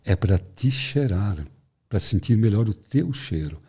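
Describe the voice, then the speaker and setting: Sly big bad wolf dressed as granny, a guy doing it, slow husky drawl. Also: fairly low pitch, animated, warm tone, full character voice.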